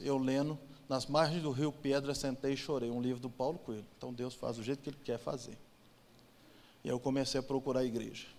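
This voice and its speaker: Emotional testimony, man in a reverberant hall. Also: mid-range voice. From Brazil. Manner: emotional storytelling, swings from loud to hushed. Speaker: church testimony speaker. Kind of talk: personal testimony in church.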